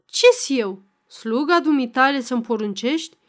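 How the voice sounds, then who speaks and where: A woman's voice: sits high, expressive. A woman voicing a proud young peasant man who answers in a restrained, slightly trembling, mocking voice. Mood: defiant.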